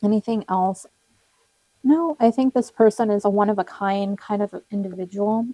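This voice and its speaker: Casual tarot reader, young woman, rambling and friendly, voice going hoarse. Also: mid-range voice, normal speed, dark tone, no echo, low-quality recording. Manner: chatty, rambling, with frequent fillers and little laughs. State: losing her voice, slightly cracking. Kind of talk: casual tarot reading to viewers.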